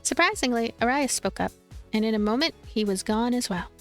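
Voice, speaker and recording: A woman hosts a let's play of a visual novel, reading the story as narrator. Her voice is slightly high, with light music playing behind her. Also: lively intonation, brisk.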